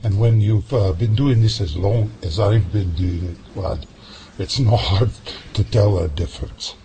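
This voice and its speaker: A man's voice: fairly low pitch, unhurried, warm tone, slight background noise. A man playing a folksy, seasoned Scottish sound analyst who explains patiently, with a Scottish accent, in an amateur radio drama. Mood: genial.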